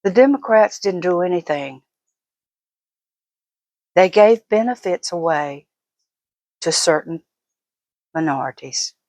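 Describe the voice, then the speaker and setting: A woman's voice: on the low side, no echo. An older woman vlogger talking casually and giving opinions in an emphatic, folksy, fussing manner.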